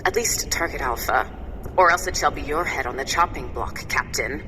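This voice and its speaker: A woman's voice: low-pitched, normal speed, background noise, natural voice. A woman playing an imperious, menacing villain director in an audio drama, haughty and cutting as she gives orders. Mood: cold, threatening.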